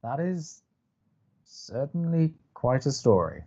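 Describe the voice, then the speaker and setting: A man acting as a young college radio co-host, dry, skeptical and sarcastic, with halting delivery in an audio drama. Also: medium pitch, sing-song, mellow, muffled recording, heavily acted. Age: young adult. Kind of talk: naturalistic audio drama banter.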